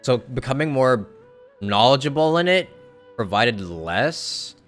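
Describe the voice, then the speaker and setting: A man's voice: mid-range voice, very animated, slow pace, fairly bright tone, faint music behind. A man streaming a video game live, talking casually and thinking aloud. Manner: casual, laid-back, thinking aloud with hums and laughs. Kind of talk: live gameplay commentary.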